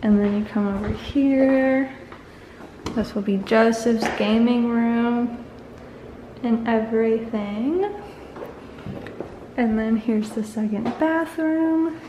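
A woman's voice: fairly high pitch, fairly even intonation, takes it slowly, long pauses, background noise. Giggly young woman in an echoey empty house. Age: young adult. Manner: giggly, chatty, narrating as she walks. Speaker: vlogger. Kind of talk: casual vlog, house tour. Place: car, then empty house with bare rooms. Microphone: handheld camera at arm's length.

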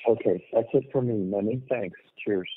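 A man asking careful, deliberately phrased questions as a financial analyst on a formal earnings call. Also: fairly low pitch. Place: telephone handset on conference call. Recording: muffled, narrow phone line.

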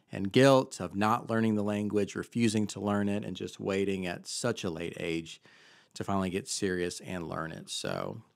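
A man's voice: sits low, gravelly, dry recording, studio quality. A man in his thirties hosting a faith podcast from a home office, speaking into a handheld mic in a chatty, earnest way with many fillers. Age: 30s. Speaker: podcast host. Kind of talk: casual faith podcast monologue. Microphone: handheld mic close to mouth.

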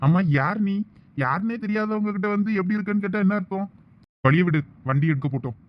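Male actor as devoted young husband, high voice, emotional, muffled village drama audio. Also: quick pace, lightly acted. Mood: cold rejection. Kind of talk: village web-series acting.

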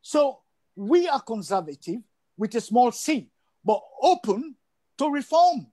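A man's voice: very high-pitched, sing-song, measured pace, warm tone. An older man from Sierra Leone, a guest on a video call interview, speaking emphatically and repeating phrases for stress. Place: indoor room at home.

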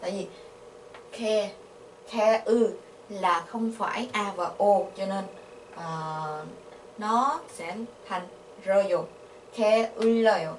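A woman's voice: mid-range voice, takes it slowly. A woman with a Vietnamese accent teaching Korean grammar, patiently repeating syllables and asking her students questions. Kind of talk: explaining grammar. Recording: echoey, from a distance, faint noise.

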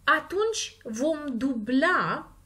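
A woman with a Romanian accent, teaching English grammar and stressing the example words slowly and clearly. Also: high voice, very animated, a bit bright. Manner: slow, stressed model words between quick explanations. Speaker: language teacher. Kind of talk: explaining grammar in a recorded lesson.

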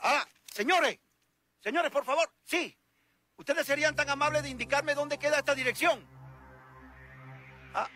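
A man's voice: high-pitched, sing-song, moderate pace, bright, forceful tone, breathy edge, exaggerated voice. An actor playing a Venezuelan husband who insists he is not lost, talking in a soothing, falsely confident way. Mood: flustered. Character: lost husband too proud to ask directions. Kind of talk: TV comedy-drama acting.

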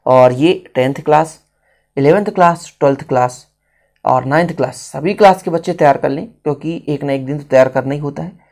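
A man's voice: on the high side, normal speed, a little mellow. An Indian man teaching a writing lesson step by step, repeating phrases and switching languages as he explains each one.

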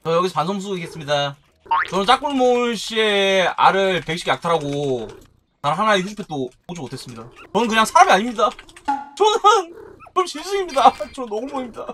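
A man doing excited commentary as a gaming YouTuber, shouting and groaning as he opens eggs, with mock-formal asides. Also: high voice, fairly quick, faint music behind. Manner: animated, shouts and groans while opening eggs.

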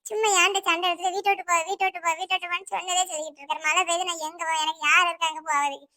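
Cartoon: put-upon young village wife, Tirunelveli accent, rapid, whiny and plaintive, voiced by a performer. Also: very high-pitched, little pitch movement, sharp tone, heavily acted. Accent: Tirunelveli Tamil. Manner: plaintive, complaining. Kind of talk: cartoon voice acting.

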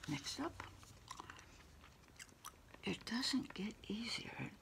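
A middle-aged woman doing a quiet ASMR roleplay, whispering softly and unhurriedly, close to the mic. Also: mid-range voice, sing-song, gravelly. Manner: soft, unhurried whispering, reading short phrases aloud.

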